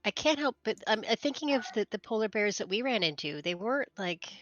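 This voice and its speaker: A woman chatting casually during a tabletop roleplaying game, puzzling aloud with questions and repeated, halting words. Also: mid-range voice, lively intonation, a bit bright, no room sound, lo-fi sound, faint music behind. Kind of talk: casual in-character chat.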